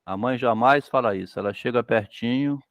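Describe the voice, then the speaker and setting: A man's voice: mid-range voice, normal speed, fairly bright tone, no room sound, clean studio sound. A Brazilian man reading a story aloud and explaining it as a literature lecture, breaking in with "né?" and acting out the characters' lines. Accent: Brazilian Portuguese. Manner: reads passages and breaks off to explain, frequent "né?".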